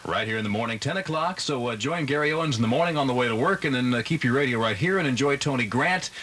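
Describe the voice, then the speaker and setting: A man's voice: medium pitch, lively intonation, fast talker, a bit bright. An American man hosting afternoon radio, bantering in a playful, wry comic way. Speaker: radio DJ host. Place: radio studio. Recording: hissy 1980s radio aircheck tape.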